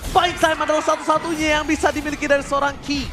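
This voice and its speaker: An Indonesian-accented man doing live play-by-play esports commentary in a hyped, shouting fighting game announcer style. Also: extremely high pitch, flat delivery, fast talker. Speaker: esports caster. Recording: music behind the voice.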